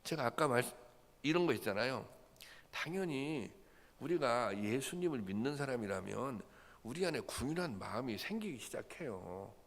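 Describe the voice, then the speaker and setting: A man's voice: mid-range voice, lively intonation, moderate pace. A man preaching a sermon at a dawn prayer service, earnest and repetitive, building to emphatic peaks. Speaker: pastor. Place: church sanctuary. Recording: long hall reverb.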